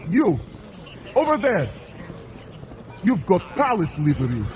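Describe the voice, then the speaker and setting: A man playing a gruff, suspicious giant palace guard who shouts challenges in an audio drama. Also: high voice, wildly swooping pitch, takes it slowly, heavily acted. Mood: angry, challenging.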